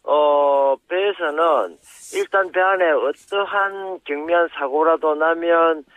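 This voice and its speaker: A professor on a tinny phone line. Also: male voice, fairly high pitch, no room sound. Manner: measured, explanatory, pauses with frequent fillers. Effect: heard over a phone line. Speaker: professor, expert guest. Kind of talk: explaining on a news interview.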